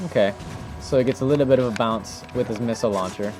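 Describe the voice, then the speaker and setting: A man's voice: medium pitch, fast. A man giving casual, improvised commentary as he demonstrates techniques in a video game, thinking aloud in an informal way. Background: music.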